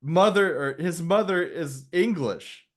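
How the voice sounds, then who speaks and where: A man's voice: fairly high pitch, animated, slow pace. A man co-hosting a comedy podcast in casual chat, rambling and jokey, often breaking off mid-thought. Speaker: podcast co-host.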